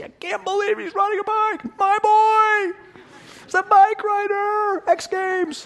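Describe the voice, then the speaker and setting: Shouting in a squeaky, extremely high-pitched put-on character voice, the speaker moves at a fairly slow pace. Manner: ecstatic, yelling.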